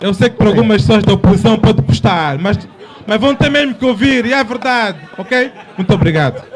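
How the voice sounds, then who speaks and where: Through noticeable background noise, a man talks at a high pitch and a fairly quick pace. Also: lively intonation. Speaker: political debate panelist. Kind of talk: heated debate. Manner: halting, repeats words.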